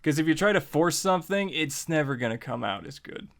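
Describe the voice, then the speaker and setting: A man's voice: on the high side, animated, fairly quick, vocal fry, a bit bright. Casual man giving a tutorial. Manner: informal, repeats phrases for emphasis, acts out example remarks. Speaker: host of a tutorial series. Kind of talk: casual, conversational writing lesson.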